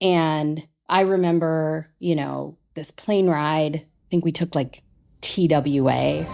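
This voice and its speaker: With music in the background, a woman with an American accent speaks very slowly. Her voice is very deep and low, with fairly even intonation. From western Pennsylvania, USA. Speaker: travel media content executive. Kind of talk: podcast interview storytelling.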